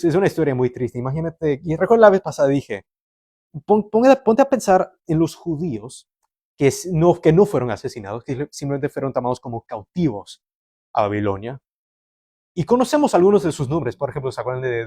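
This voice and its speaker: A man's voice: medium pitch, warm tone, dry recording, studio quality. A man from Canada, raised in a Hispanic home, preaching a conversational, storytelling sermon in an earnest, explanatory way, repeating phrases and asking rhetorical questions.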